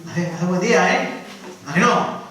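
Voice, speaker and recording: A man's voice: fairly high pitch, moderate pace, very noisy. Preaching man in a far-off echoey church. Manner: lively preaching, swinging from soft to loud, acts out quotes. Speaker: pastor. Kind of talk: sermon. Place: church hall.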